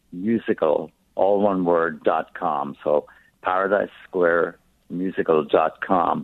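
Here a man speaks with an Irish accent. His pace is very slow. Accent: Irish brogue. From Ireland, County Wexford. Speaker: playwright and rock musician. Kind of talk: interview. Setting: phone call.

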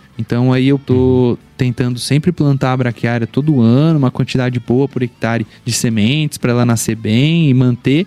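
Over music in the background, the speech runs at a moderate pace with fairly even intonation and hardly any pauses. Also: man, medium pitch for a man, very even loudness, dry, close sound with no echo. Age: 20s. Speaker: coffee farmer and agronomist. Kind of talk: casual interview chat.

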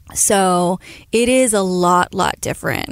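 On a very clean recording with a silent background and a dry, close sound with no echo, a woman with an American accent speaks in a plain, everyday voice at a medium pitch with fairly even intonation. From San Antonio, Texas. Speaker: shoe designer and shoemaking teacher. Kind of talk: interview; workshop instruction.

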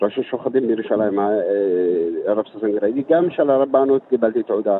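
A man speaks with a Yemeni accent. His pitch is medium. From Yemen, Amran. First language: Yemeni Arabic (speaking Hebrew). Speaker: community leader and ritual slaughterer. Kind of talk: interview testimony. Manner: halting.

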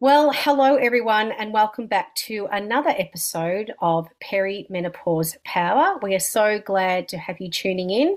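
With an Australian accent, the speaker moves at a moderate pace with hardly any pauses. The intonation is lively and the recording is very clean, with a silent background. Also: woman, fairly high pitch for a woman. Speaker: podcast host, health coach. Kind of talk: interview.

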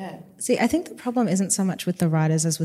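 With an Australian accent, a woman speaks in a fairly low pitch and lively intonation. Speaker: editor. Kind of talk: panel discussion.

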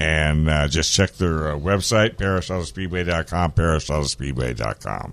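A man's very deep, low voice at a moderate pace, with ordinary pitch variation and noticeable background noise. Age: 70s. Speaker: motorsports radio host. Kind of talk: casual chat. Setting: studio.

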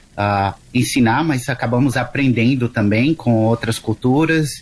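Here a man has an unremarkable speaking voice with a medium pitch and ordinary pitch variation. He talks at a fairly slow pace. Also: very even loudness. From Bahia, northeastern Brazil. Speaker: missionary. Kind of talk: radio interview.

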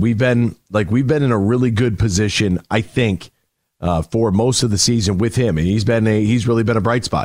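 A man with a plain, everyday voice speaks at a moderate pace and fairly low pitch, with ordinary pitch variation, on a very clean recording with a silent background. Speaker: radio host. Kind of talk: sports radio commentary. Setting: studio. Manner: conversational, opinionated, recapping the game.

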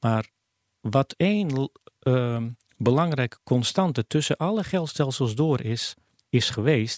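A man's medium-pitched voice with lively intonation, at a fairly slow pace, in a dry, close sound with no echo. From former Yugoslavia. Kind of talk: interview.

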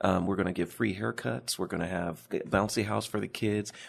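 Vocal fry runs through a man's fairly low pitch. He talks at a fairly quick pace with lively intonation. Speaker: pastor. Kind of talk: testimony.

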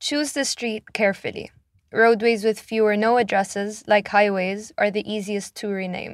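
A woman with a plain, everyday voice speaks at a moderate pace and fairly high pitch, her intonation fairly even. The recording is very clean, with a silent background. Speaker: podcast producer. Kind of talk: scripted narration.

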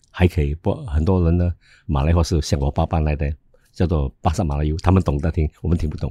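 A man's very deep, low voice, somewhat breathy, with fairly even intonation at a very fast pace, dry and close with no echo, on a very clean recording with a silent background. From Singapore (Teochew family). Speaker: former member of parliament. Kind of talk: interview.

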